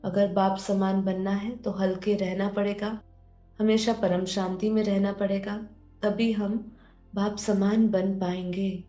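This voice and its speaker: A woman leading a guided meditation and spiritual teaching in a gentle, instructive manner, often repeating phrases. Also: mid-range voice, level tone, a little slow. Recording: roomy echo under background music. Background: music.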